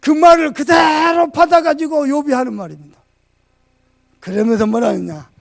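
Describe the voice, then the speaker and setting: Male pastor, fervent sermon delivery; very high, gravelly voice; loud peaks and hushed asides. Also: normal speed. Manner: fervent preaching, swinging from shouts to quiet asides. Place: church sanctuary.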